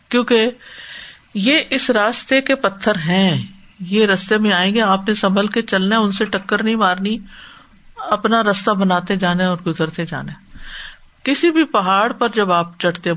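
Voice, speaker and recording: A man with a notably high voice teaches a scripture commentary class. He explains patiently, poses rhetorical questions to his listeners and slips English words into his talk. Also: fairly bright tone. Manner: mixes English words into speech. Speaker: Quran teacher. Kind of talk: Quran commentary lesson.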